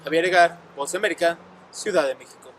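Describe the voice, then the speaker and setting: A man's voice: fairly high pitch, fast. A man signing off a report as field reporter. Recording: loud traffic noise.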